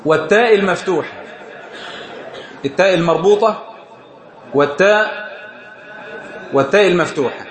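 A man's voice: high voice, moderate pace, pauses often. A man with an Egyptian Arabic accent teaching an informal religious lesson, often quizzing his listeners and laughing as he explains. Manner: questioning the audience, laughing often. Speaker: sheikh teaching a religious study circle. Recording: echoey room.

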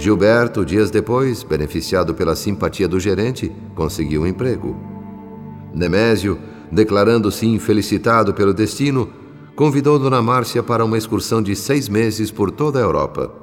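A man's voice: on the low side, moderate pace. A man with a Brazilian accent narrating a radio soap opera in a dramatic, scripted style. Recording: long reverb, music behind.

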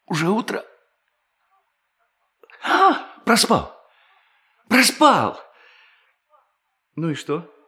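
A man's voice: on the high side, bright, forceful tone, slightly rough, heavily acted. An actor playing a sly, gleeful male bank robber posing as a pious hermit in an audio drama, muttering and exclaiming to himself with self-mockery. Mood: giddy. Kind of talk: theatrical audio drama monologue.

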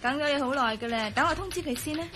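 A breezy young receptionist in a Cantonese radio drama, voiced by a woman, high-pitched and matter-of-fact. A noticeable hiss runs under her lines. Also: rapid-fire, lightly acted. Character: young female receptionist at a secret agency, cheerful and brisk.

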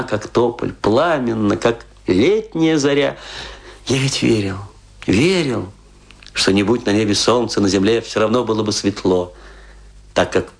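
An actor playing a lonely, embittered, hard-drinking stage actor in a radio play, declaiming theatrically and broodingly with a husky voice. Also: male voice, deep voice, heavily acted. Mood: wistful, tender. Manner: declamatory, brooding, with rhetorical questions and long pauses. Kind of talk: theatrical dramatic monologue, Russian radio play.

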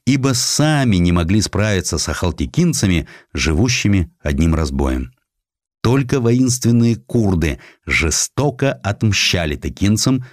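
A man's voice: low-pitched, no echo, clean studio sound. A man reading historical prose as a dramatic, scripted audiobook narration.

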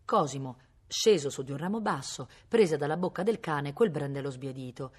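A woman reading a novel aloud expressively, now and then mimicking animal sounds. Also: low voice. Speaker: reader. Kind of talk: read-aloud novel narration.

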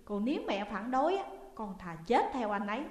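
A woman's voice: fairly high pitch, very animated, fairly quick, darkish tone. A woman with a Southern Vietnamese accent voicing a defiant young woman devoted to a ghost lover in an audio story, recorded in an echoey room. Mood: resolute. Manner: blunt, defiant. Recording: echoey room with long reverb.

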